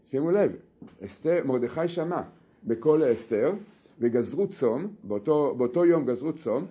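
A man teaching a Torah lesson, telling the story in an animated way with many restarts. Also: mid-range voice, husky, dull audio. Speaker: religious teacher.

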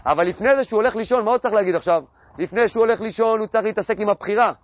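High-voiced man teaching Torah. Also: no echo, muffled recording. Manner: poses questions and answers them himself; repeats key phrases in a steady teaching cadence. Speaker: religious teacher. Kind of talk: Torah lesson.

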